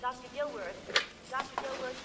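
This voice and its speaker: Hospital page over a PA. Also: female voice, high-pitched. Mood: calm. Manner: calm, measured paging announcements. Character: calm female hospital page operator. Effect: over a hospital PA loudspeaker. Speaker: hospital paging announcer. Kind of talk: 1970s TV drama acting. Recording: distant PA loudspeaker with loud noise.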